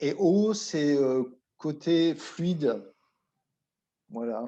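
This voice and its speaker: Against a quiet background, a man with a fairly high voice speaks in a dark, mellow tone with lively intonation. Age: 40s. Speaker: relationship coach. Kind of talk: casual interview.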